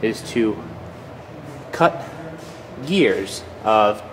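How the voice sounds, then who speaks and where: A man's voice: on the low side, animated, drawn-out words, in a large hall, slight background noise. A man hosting a casual vlog tour of a machine shop, easygoing and stumbling over words as he explains. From United States. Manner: easygoing, repeats words while thinking. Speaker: channel host. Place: machine shop at an outdoor engine show.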